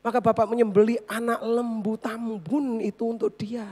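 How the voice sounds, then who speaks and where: A woman's voice: fairly high pitch, little pitch movement, normal speed, dark tone, big-room sound, lightly acted. A woman voicing a resentful elder son who complains to his father that he has been treated unfairly. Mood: aggrieved. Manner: aggrieved, complaining.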